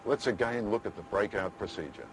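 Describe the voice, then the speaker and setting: Low-voiced male instructor, faint rumble. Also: sing-song, brisk. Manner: formal, question-and-answer explaining. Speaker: instructor explaining procedures. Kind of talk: scripted instructional explanation.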